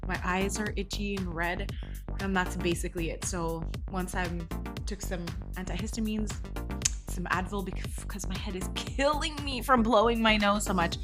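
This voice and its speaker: Congested woman in her thirties, chatty and blunt, soft music underneath. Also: mid-range voice, moderate pace. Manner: chatty, venting, animated, swears freely. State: congested from allergies. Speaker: podcast host. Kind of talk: casual chat, storytelling.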